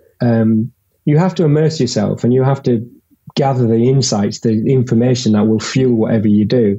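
A dark, mellow tone with a northern English accent at a moderate pace. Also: man. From northern England, York. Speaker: design agency co-founder. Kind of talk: interview.

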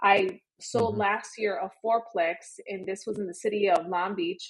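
A plain, everyday voice from a woman with an American accent, medium in pitch, at a fairly slow pace. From Los Angeles, US. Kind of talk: interview.

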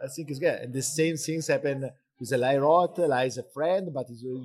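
Pitched fairly high, a man's voice moves up and down in an ordinary way. He talks at a moderate speed. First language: Italian (speaking Dutch). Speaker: documentary filmmaker. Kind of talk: interview. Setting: live recording at a film festival.

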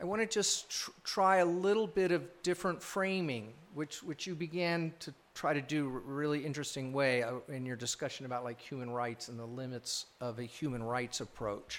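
With an unremarkable speaking voice, a man talks fairly slowly at a fairly high pitch, his intonation lively. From United States. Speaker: sociology professor. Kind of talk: panel discussion. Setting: bookstore with audience.

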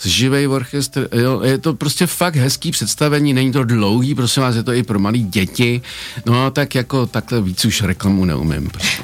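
A man talks at a moderate pace with medium pitch and ordinary pitch variation. His loudness stays very even over noticeable background noise. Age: 60s. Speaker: musical actor and singer. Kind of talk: casual chat.

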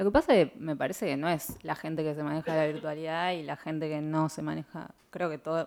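The delivery is at a fairly quick pace with hardly any pauses. Intonation stays fairly even. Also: woman, very deep, low pitch for a woman. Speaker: public programs coordinator, interviewer. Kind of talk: interview.

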